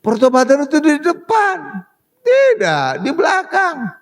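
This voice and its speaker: A man preaching with a high voice that leaps all over the place. He exclaims and keeps turning to the congregation for agreement. His sermon delivery is lively throughout. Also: unhurried. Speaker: pastor.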